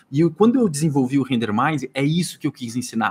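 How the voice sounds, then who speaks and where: The voice is somewhat breathy, and the sound is dry and close with no echo. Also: man. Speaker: 3D rendering instructor and studio owner. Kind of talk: live webinar sales pitch. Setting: livestream. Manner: animated.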